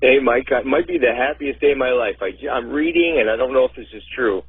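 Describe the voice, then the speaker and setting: A man's voice: medium pitch, brisk, a little hiss or hum. A man calling in to a radio show over the phone, chatting in a plain, conversational way. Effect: phone line. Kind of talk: casual call-in chat. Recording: tinny phone line.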